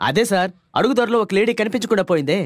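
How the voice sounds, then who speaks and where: An actor playing a weary police constable who talks in a placating, respectful way. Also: male voice, high-pitched, lively intonation, very fast, no echo, clean studio sound.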